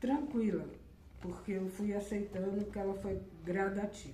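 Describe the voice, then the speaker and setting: Audible echo from the room and noticeable background noise surround the speech. The woman's pitch shifts by an ordinary amount. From Brazil, Volta Redonda, Rio de Janeiro state. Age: 60s. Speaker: blind woman sharing her life story. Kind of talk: interview testimony.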